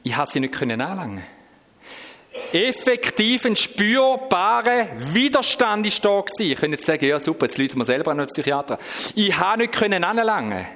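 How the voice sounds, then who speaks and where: A middle-aged man with a Swiss German accent gives a personal testimony to an audience, telling it in an animated way that swings between hushed asides and sudden shouts. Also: high-pitched, brisk. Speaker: speaker giving a personal testimony. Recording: reverberant hall.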